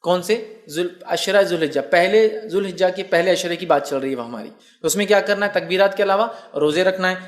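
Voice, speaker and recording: A man giving a language religious talk as a preacher, explaining step by step and reciting Arabic phrases slowly. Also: sits high. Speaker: Islamic preacher. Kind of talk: sermon.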